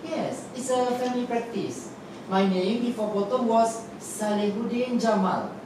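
A man's voice: very high-pitched, fairly even intonation, moderate pace. A man with a Singaporean accent playing a teasing middle-aged trans woman aunt in a staged reading, full of sassy, mocking banter. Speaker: stage actor. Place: theater black-box stage with audience. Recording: roomy theater stage, distant mic, noisy.

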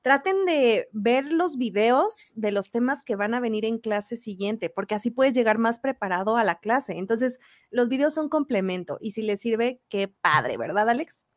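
A young woman chats brightly with her viewers. Her voice is fairly high. It is recorded close on a studio mic in a dry home room. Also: normal speed, no room sound. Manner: friendly, lively, addressing viewers. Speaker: engineering YouTuber and host. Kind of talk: casual live chat, reading messages aloud. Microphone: studio mic in front.

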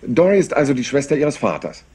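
An actor playing a polite, slyly persistent police inspector in a German crime radio play, hesitant and deceptively casual. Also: male voice, mid-range voice, very animated, fast, a little mellow, slightly rough. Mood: apologetic, probing.

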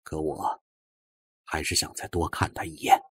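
A man voicing a gentle, calm professor in an audiobook, speaking softly, earnestly and wistfully. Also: rumbling low, normal speed, slightly rough, no room sound, studio quality, voice pushed down, exaggerated voice. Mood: tender, wistful. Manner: soft, hushed, earnest.

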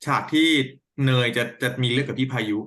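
A man's voice: mid-range voice, fairly quick. A man co-hosting a casual chat podcast, playful and teasing as he talks through favorite scenes. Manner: playful, teasing, lively banter. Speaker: podcast co-host. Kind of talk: casual chat recapping a series.

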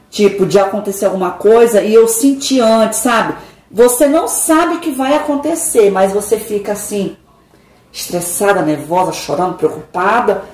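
A middle-aged woman vlogger chats casually and confidingly with her viewers from her home kitchen, letting out dramatic sighs. Her voice sits at a medium pitch with a darkish tone. The kitchen sounds echoey and there's some noise in the recording.

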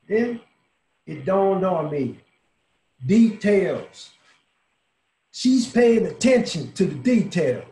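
A man's voice: a little high, mellow. An actor in his sixties playing a dying, world-weary old bar owner in a folksy, salty, intimate dramatic monologue. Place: small room at home, indoors. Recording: roomy home webcam audio, faint hiss.

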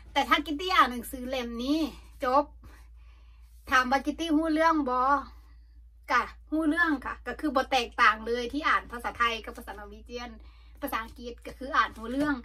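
Isan-accented woman vlogger, middle-aged, high and bright, rambling casual chat from a sauna with coughs. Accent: Isan Thai. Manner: chatty, rambling with frequent coughs.

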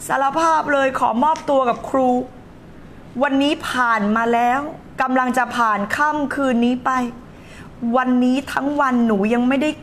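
A woman's voice: high-pitched, fairly even intonation, normal speed, a bit bright, slight background noise. A woman life coach hosting a live stream, talking emphatically, scolding and teasing her viewers and reading their comments aloud. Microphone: streaming setup.

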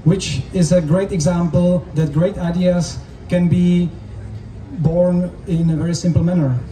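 A man with a Czech accent interpreting formally and in measured phrases as a host on an open-air festival stage. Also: sits high, fairly even intonation, warm tone. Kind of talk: live consecutive interpreting at a public event. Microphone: handheld mic through PA, recorded from audience. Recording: roomy, distant stage PA sound with noise.

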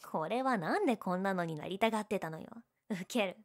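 A woman's voice: mid-range voice, lively intonation, fairly quick, lightly acted. A young woman playing a teasing, prickly, secretly lovestruck tsundere childhood friend in a romantic audio drama. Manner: bratty teasing, flustered, emotive.

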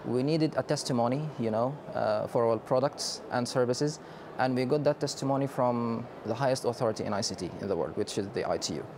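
A man in his thirties from Sudan, a company director answering questions in a conference interview, speaking in a measured way with frequent hesitations. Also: mid-range voice, noisy background. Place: exhibition booth studio set.

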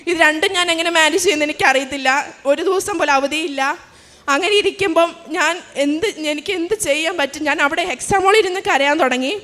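A woman's voice: high voice, quick pace, sharp tone. A young woman, a nursing student, giving an earnest and emotional personal religious testimony. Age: young adult. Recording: long hall reverb.

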